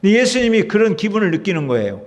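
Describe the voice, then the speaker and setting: A middle-aged male pastor preaching with a high, lively voice that swings up and down as he pleads and explains. He talks to his congregation in an emotive, conversational way. The sound has the long reverb of a church sanctuary. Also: quick pace. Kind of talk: sermon.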